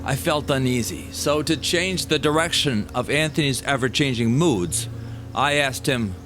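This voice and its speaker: A male storyteller narrates a scripted first-person tale. His pitch is average and his phrasing deliberate and dramatic. Music plays clearly behind the voice. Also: a bit bright.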